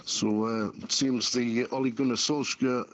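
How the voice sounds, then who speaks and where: A man's voice: mid-range voice, steady tone, measured pace. A man giving a casual sports update as a contributor, recorded over a dull lo-fi voice chat.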